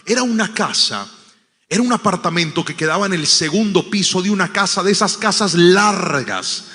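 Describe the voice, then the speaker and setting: Man, sermon, storytelling preacher, soft to forceful, bright tone, long hall reverb. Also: on the high side. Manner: storytelling, swings from hushed to loud and emphatic. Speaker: pastor.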